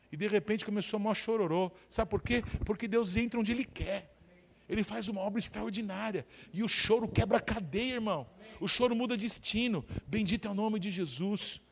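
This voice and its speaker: Fervent Brazilian-accented male pastor. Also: high voice. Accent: Brazilian Portuguese. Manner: fervent, repeated call-and-response. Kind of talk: sermon.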